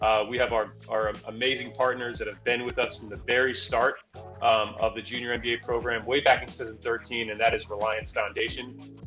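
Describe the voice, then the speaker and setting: Faint music sits in the background. Over it, a man talks. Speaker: program lead hosting a webinar. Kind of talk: welcome remarks. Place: office. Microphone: earbuds.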